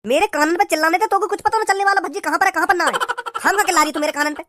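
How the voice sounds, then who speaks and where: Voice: extremely high pitch, rapid-fire, noisy background. A performer voicing a grumbling rustic father in a cartoon, speaking in rural dialect.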